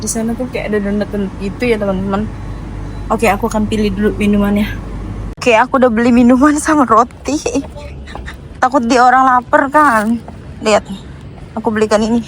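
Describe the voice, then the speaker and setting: A woman's voice: on the high side, fairly even intonation, brisk, pauses often, a little hiss or hum, low-quality recording. A woman chatting casually to her viewers as she vlogs on the move. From Indonesia. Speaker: vlogger. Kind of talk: casual vlog chat to viewers. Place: walking around a busy outdoor amusement area and nearby shop.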